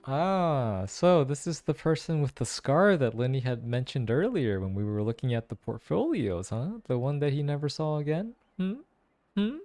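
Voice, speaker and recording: A man's voice: medium pitch, very animated, moderate pace, a little mellow, faint music behind. A man giving casual, musing playthrough commentary and analysis, repeating phrases for emphasis. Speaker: gaming streamer reacting to a story quest.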